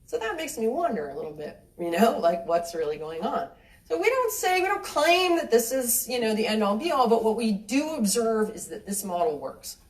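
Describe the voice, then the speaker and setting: A woman giving a live talk to an audience, chatty and animated, acting out little quoted exchanges and laughing lightly as she talks. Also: medium pitch. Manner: laughs lightly mid-sentence. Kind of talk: live lecture with audience questions. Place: cinema venue with an audience. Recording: roomy hall sound from a distant mic.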